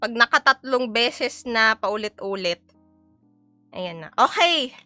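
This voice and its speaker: A woman's voice: on the high side, animated, slow, pushed and bright, no room sound, soft background music. A young woman from the Philippines chatting playfully and giggling on a casual cooking live stream.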